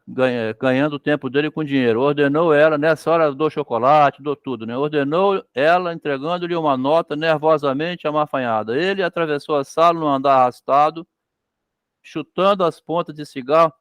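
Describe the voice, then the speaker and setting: A man's voice: fairly high pitch, a little fast, clean tone, dry recording. A Brazilian man reading a story aloud and explaining it as a literature lecture, breaking in with "né?" and acting out the characters' lines. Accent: Brazilian Portuguese. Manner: reads passages and breaks off to explain, frequent "né?".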